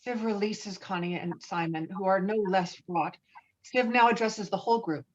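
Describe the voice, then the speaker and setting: A woman's voice: medium pitch, normal speed, muffled recording. A woman reading stage directions as the narrator of a dramatic script.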